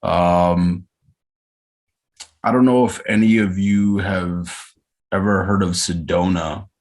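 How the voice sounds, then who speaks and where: Podcast guest, man in his 30s from Arizona, very low voice, thoughtful and hesitant delivery. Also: fairly even intonation, darkish tone. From Arizona, USA. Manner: reflective, unhurried, frequent hesitations. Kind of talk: casual interview chat.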